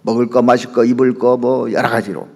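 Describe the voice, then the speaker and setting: A man's voice: mid-range voice, fairly even intonation, brisk, darkish tone, slightly rough. A male pastor preaching a sermon, speaking with sudden rises and drops and frequent asides to his congregation. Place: church sanctuary. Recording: church hall reverb.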